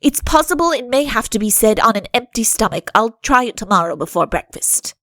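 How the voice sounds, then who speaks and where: A woman reading an audiobook, voicing an enchanted male prince in animal form in a slightly lower, earnest voice. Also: very animated, fairly quick, fairly bright tone, dry recording, clean studio sound. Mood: hopeful. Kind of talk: audiobook character voice.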